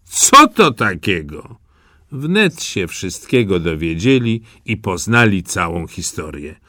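A man's voice: low voice, takes it slowly, no room sound. A man reads a fairy tale aloud, his voice rising and falling with lots of life. He takes his time over each phrase, and the recording is close and dry with no room sound. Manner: animated storybook narration. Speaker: storyteller.

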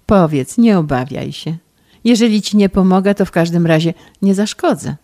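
A woman's voice: lowish voice, normal speed, mellow, dry recording, clean studio sound, lightly acted. A woman voicing an elderly bald scholar uncle who talks in a coaxing, bemused way in an audiobook reading.

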